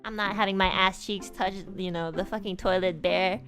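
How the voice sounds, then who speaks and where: A young woman streamer telling a story in casual chat, animated and swearing, loudly acting out her past self. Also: mid-range voice, normal speed, faint music behind.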